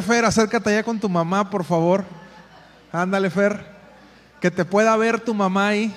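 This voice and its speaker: A man with a Mexican accent leading parents through a live group exercise, giving instructions and calling people by name. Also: sits high. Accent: Mexican Spanish. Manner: directive, calls people by name, repeats instructions. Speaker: workshop facilitator for parents. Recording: reverberant hall sound.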